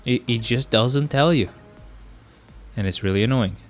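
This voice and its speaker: Stuffed up from a cold, a young man chats casually with his live-stream viewers and gets exasperated with the game he's playing. His voice is mid-range and his speed normal, with soft music in the background. He's talkative, quick to get frustrated, and addresses chat directly.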